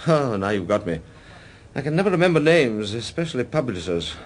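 An actor playing a chatty, wry film director in a radio drama, with an effusive, chummy manner. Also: male voice, medium pitch, sing-song, brisk.

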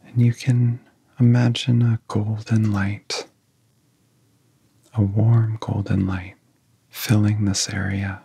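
A man guiding a relaxation in soft-spoken ASMR style, with a soft, whispery voice and gentle, soothing phrasing broken by long pauses. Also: lowish voice, level tone, slight background noise. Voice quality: soft, breathy, often whispery. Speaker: ASMR hypnosis guide.

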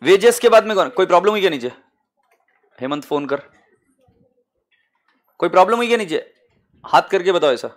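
A man's voice: high voice, lively intonation, fairly quick, long pauses. A man with an Indian accent teaching accounting to a live class, mixing Hindi and English and calling students "beta" fondly.

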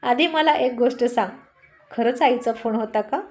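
Woman reading as a calm young husband, teasing gently, slow and sweet. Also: on the high side, natural voice. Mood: soothing.

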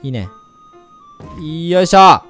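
A man giving let's play commentary, chatty and excitable, talking straight to his viewers and breaking into loud whoops. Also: a little high, takes it slowly, faint music behind. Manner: chatty, speaks to viewers directly. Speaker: game commentator.

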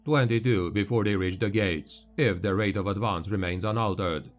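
A man voicing a calm male warrior-adviser who reports numbers flatly and precisely. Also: lowish voice, normal speed, soft background music, close to an everyday voice. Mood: matter-of-fact. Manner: flat, matter-of-fact reporting.

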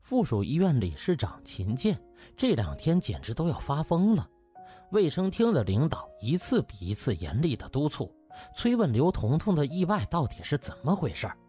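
A man's voice: a little high, wildly swooping pitch, moderate pace, dark tone, faint music behind. A man narrating a novel as a dramatised audiobook.

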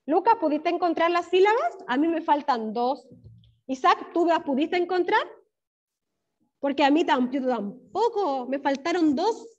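A woman with a Chilean accent teaching an online class to young children, encouraging and praising pupils by name, drawing words out slowly syllable by syllable. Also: high voice, lively intonation. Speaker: primary school teacher. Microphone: video call. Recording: dull lo-fi video call audio.

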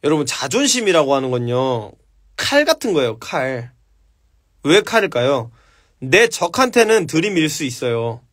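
A man's voice: a little high, big pitch swings, normal speed, fairly bright tone. A man hosting a casual live stream, answering viewer questions with blunt, profane advice.

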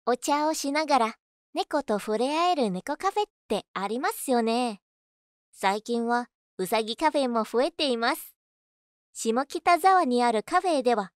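A woman's voice: high-pitched, smooth, no echo, studio quality. A woman reading scripted narration as a voice-over artist. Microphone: studio condenser microphone on boom arm.

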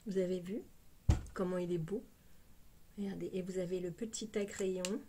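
A woman's voice: fairly low pitch, fairly even intonation, moderate pace, warm tone. Parisian French woman, casual beauty vlogger, chatty and exclamatory, faint background noise. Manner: chatty, exclamatory, lots of "hein" fillers. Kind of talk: casual unboxing chat.

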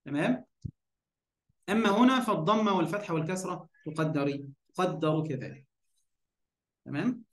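A man's voice: fairly high pitch, moderate pace, long pauses, reverberant. A man with an Egyptian accent teaching Arabic grammar in an online lesson. He poses questions, answers them himself, and keeps checking that his students follow.

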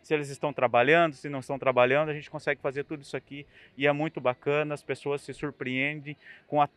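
A man's voice: a little high, no echo. A young adult man speaking chattily in an interview outdoors at a fair stand, into a handheld mic. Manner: chatty, animated, quick asides. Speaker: machinery dealer representative. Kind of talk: casual interview answer.

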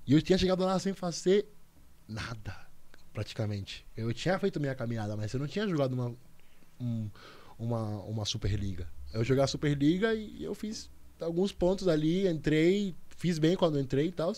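A young man, a podcast guest telling a story in a lively, slangy way, full of restarts and repeats. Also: on the high side, moderate pace. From Cuba. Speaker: podcast guest, volleyball player. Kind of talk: casual storytelling chat.

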